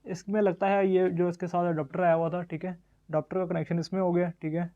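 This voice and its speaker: A man's voice: high voice, flat delivery, quick pace, phone-quality sound. A man with a Pakistani accent narrating a casual product unboxing and demo as the presenter. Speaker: shop's product reviewer and presenter.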